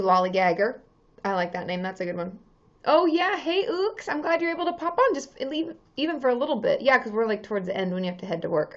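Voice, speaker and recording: On a live stream, a woman in her thirties who works as a therapist chats casually, says hello to viewers by name, and fills her speech with ums. She has a mid-range, slightly hoarse voice. The high frequencies are cut off.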